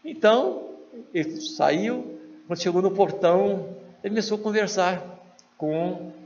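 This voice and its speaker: A Brazilian man giving a spiritist lecture, telling a story and acting out the voices in it. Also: measured pace. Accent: Brazilian Portuguese. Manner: acts out quoted dialogue with lively shifts in pitch. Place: large lecture hall. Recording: lo-fi hall recording with faint noise.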